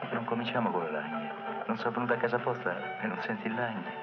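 Male actor as anxious Roman working man, low fast clipped speech, dull vintage film audio. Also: lightly acted. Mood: irritated. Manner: terse, plain colloquial dialect. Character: anxious, terse working-class husband, adult man. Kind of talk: 1940s Italian film acting. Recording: dull 1940s film soundtrack, loud music.

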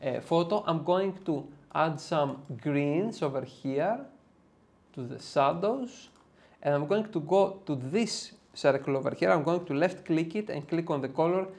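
A Greek-accented man in his thirties with a fairly high voice talks through a software lesson. He explains each step in a lively, chatty way, dropping in the odd filler as he goes. He is recorded on a lapel mic in a dim home studio. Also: unhurried, vocal fry. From Greece. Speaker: photo editing tutor. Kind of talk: screen-recorded software tutorial.

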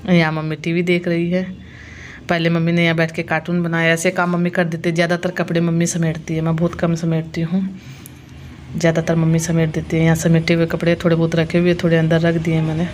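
Deep-voiced and completely flat, an Indian mom in her thirties rattles through a fast voice-over of her family's daily routine. Her tone is darkish as she chattily explains each clip step by step, over slight background noise.

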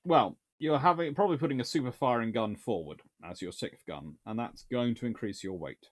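A man's voice: mid-range voice, fairly quick. A man in his thirties, a naval historian answering viewer questions in a casual livestream from a small book-lined room, thinking aloud and restarting sentences as he goes.

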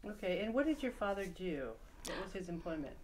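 A woman's voice: fairly low pitch, sing-song, a little fast, low-quality recording. Woman interviewer with faint room noise behind. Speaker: oral history interviewer. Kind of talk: asking interview questions. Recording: clear background noise, off-camera voice.

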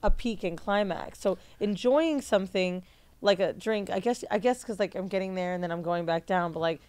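A woman's voice: mid-range voice, moderate pace, darkish tone, clean tone, no room sound. A woman co-hosting a podcast, asking blunt, curious questions in casual chat. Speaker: podcast co-host.

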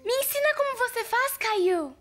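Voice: very high-pitched, animated, moderate pace, a bit bright. A performer voicing a confident, slightly bossy young girl in a Brazilian cartoon dub, explaining things matter-of-factly. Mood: playful. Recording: music behind the voice.

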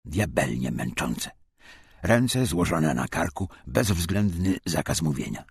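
A man reading a wartime memoir as an audiobook narrator, in a husky, gravelly voice. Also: rumbling low, very animated, slow pace, dry recording.

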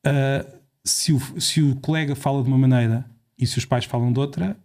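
A man's voice: medium pitch, steady tone, a little fast, a little mellow. A man with a European Portuguese accent, a podcast guest explaining in casual talk and asking rhetorical questions.

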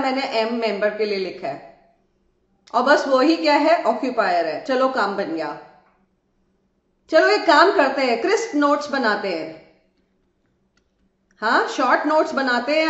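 High-voiced woman lecturing in an echoey room. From India. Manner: animated and coaxing, mixing English phrases into Hindi. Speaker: law teacher. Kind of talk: classroom lecture. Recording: echoey room, muffled sound.

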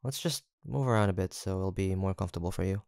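Man acting as a low, gravelly, gentle young roommate. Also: fast, no echo, studio quality. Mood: gentle, tender. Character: gentle, teasing young male college roommate with a crush. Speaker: voice actor in roleplay audio. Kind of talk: intimate boyfriend-style roleplay acting, one-sided conversation.

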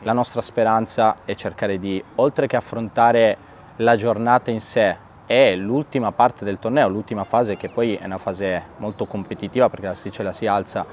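Measured man in his thirties, low voice. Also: steady tone, slight background noise. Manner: measured, thoughtful, with filler pauses. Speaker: youth football coach. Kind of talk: sit-down interview.

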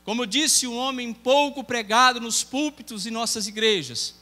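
Bright high-voiced Brazilian preacher in a hall. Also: male voice, moderate pace. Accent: Brazilian Portuguese. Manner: storytelling, voicing dialogue within the tale. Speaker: evangelist. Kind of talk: sermon. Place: church sanctuary.

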